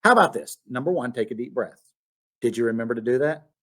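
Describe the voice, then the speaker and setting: A man's voice: mid-range voice, expressive, quick pace, a bit bright. A man voicing a patient female math teacher in a storybook, encouraging and instructive. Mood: prompting. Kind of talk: storybook read-aloud.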